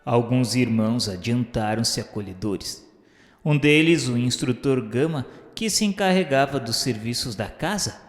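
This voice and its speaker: A man reads a formal, reverent literary narration in a solemn scripted style. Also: mid-range voice. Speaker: narrator of a spiritist radio novela. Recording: echoey reverberant hall sound, music underneath. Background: music.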